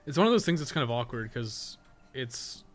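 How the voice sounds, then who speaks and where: Very animated at normal speed, this mid-range male voice delivers rambling live commentary on gameplay, thinking out loud and cursing freely. He streams games and co-hosts a podcast, and his stream audio is clearly noisy.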